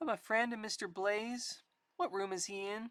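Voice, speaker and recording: A put-on character voice that sounds female speaks at a moderate pace with a fairly high pitch. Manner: disguised voice.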